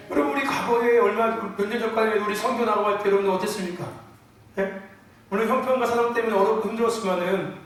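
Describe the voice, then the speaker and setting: A high-pitched, middle-aged pastor delivers a sermon in a church sanctuary, often calling out to the congregation and alternating loud, emphatic bursts with chuckles. The audio is echoey, captured from far off in the church hall.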